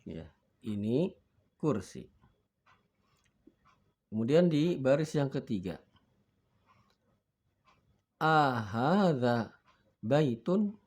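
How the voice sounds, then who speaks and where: A man's voice: mid-range voice, big pitch swings, very slow, long pauses, darkish tone. A man teaching a beginner Arabic lesson, reading each word twice for students to repeat and acting out forgetting and looking up words. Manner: patient, acts out forgetting and finding words.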